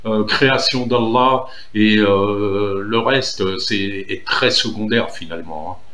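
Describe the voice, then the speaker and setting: A man from Algeria talks earnestly in a loose monologue, often pausing on fillers and restarting his sentences. His voice sits low, and the room around him is echoey. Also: pushed and bright. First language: Algerian Arabic (Derja). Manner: hesitant, many ums and restarts, earnest. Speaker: political commentator. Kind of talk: casual monologue video.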